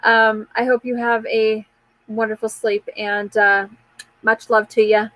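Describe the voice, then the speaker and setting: A woman's voice: a little high, flat delivery, a little slow, a bit bright, no echo, poor audio. A woman in her forties hosting a casual live chat, talking candidly in a rambling way and answering viewer comments, with frequent fillers and restarts. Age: 40s.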